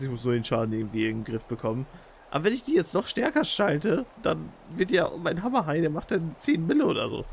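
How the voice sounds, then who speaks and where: Excitable young man, gravelly and animated. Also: a little high, a little hiss or hum. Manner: excitable, slangy, frequent exclamations. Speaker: gaming channel host. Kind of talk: let's play commentary.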